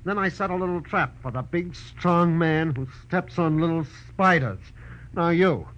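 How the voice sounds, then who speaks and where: An actor playing a small, touchy, menacing villain in a 1940s radio drama. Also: male voice, a little high, normal speed, a bit bright, lightly acted. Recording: muffled, noisy old radio recording.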